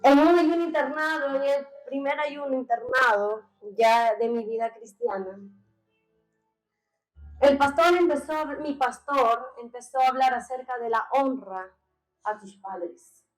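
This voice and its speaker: A woman's voice: high voice, a little slow, faint music behind. A young woman from Peru giving an earnest, tearful testimony to a congregation, calling them brothers. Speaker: church member giving testimony. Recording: echoey church hall.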